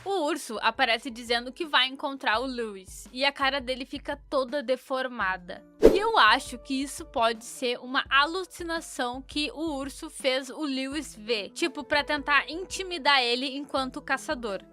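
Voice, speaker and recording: Bright, high-voiced young Brazilian woman. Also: moderate pace, few pauses, soft background music. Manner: informal, opinionated asides. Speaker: YouTube commentator. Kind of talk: casual story recap commentary.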